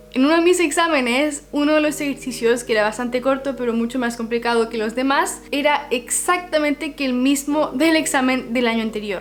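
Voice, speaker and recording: Over noticeable background noise, a woman talks at a fairly quick pace with hardly any pauses. Her pitch is high, with ordinary variation. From Chile. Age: young. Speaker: university physics student. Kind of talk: casual talk to camera.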